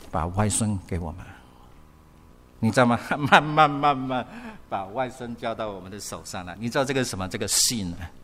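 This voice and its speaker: A man's voice: medium pitch, big-room sound, a little hiss or hum. An older man preaching a sermon, often asking the congregation questions and repeating words for emphasis. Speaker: pastor.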